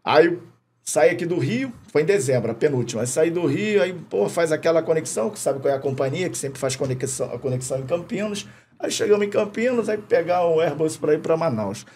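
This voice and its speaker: A middle-aged man from Rio de Janeiro with a Carioca accent, telling animated anecdotes full of slang, swearing and laughter as a podcast guest. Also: fairly high pitch, brisk, a little hiss or hum. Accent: Carioca Portuguese. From Rio de Janeiro, Brazil. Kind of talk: casual chat, storytelling. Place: podcast studio.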